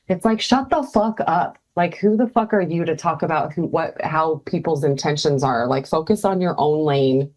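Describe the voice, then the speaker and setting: A woman's voice: low-pitched, normal speed, hardly any pauses, darkish tone. A woman co-hosting a podcast in casual chat, talking bluntly with a lot of swearing and frequent laughter. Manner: blunt, profane, laughs often. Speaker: podcast co-host.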